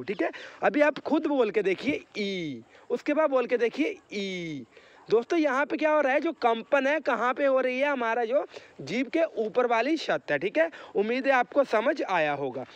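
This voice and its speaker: A man with a very high voice teaches an online exam-prep lesson. He asks questions and answers them himself, and stretches out letter sounds for viewers to say along. The recording is dry and a little dull. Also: dry recording. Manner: repeatedly addresses viewers as friends, asks and answers own questions.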